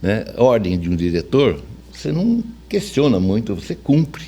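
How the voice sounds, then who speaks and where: An older Brazilian man with a fairly low voice, recounting memories as a veteran radio journalist being interviewed. He talks in a colloquial, anecdotal way, slipping into reported dialogue. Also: big pitch swings, moderate pace, warm tone, husky. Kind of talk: casual anecdotal storytelling.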